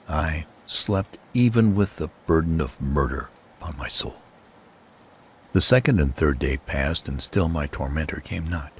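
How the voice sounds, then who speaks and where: Very deep, gravelly male horror narrator. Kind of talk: dramatic audiobook narration of a gothic horror tale. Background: steady ambient noise, rain per title.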